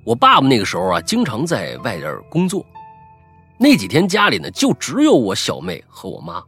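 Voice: mid-range voice, huge pitch swings, brisk, a bit bright, husky, faint music behind. A storyteller narrating a ghost story dramatically, often stammering and repeating words for suspense.

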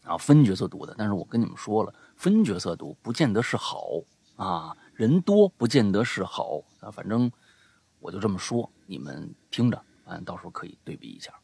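A man hosting a show, chatting casually and promoting it, with a gravelly voice and a habit of repeating phrases for emphasis. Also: fairly low pitch, big pitch swings, fairly quick, a little mellow, no echo. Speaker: show host and audio storyteller.

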